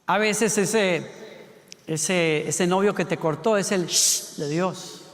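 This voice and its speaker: A man preaching a sermon, moving from quick rhetorical questions to soft, almost whispered passages. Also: sits high, long reverb tail, slight background noise. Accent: Latin American Spanish. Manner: shifts from brisk rhetorical questions to hushed near-whispers.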